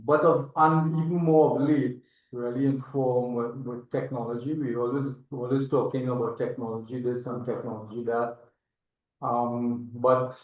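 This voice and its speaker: A distant, echoey and slightly dull recording of an older Trinidadian man presenting to an online meeting. His mid-range voice wanders reflectively through informal remarks, with a hesitant delivery. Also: medium pitch. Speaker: agronomist and institute chairman, presenter.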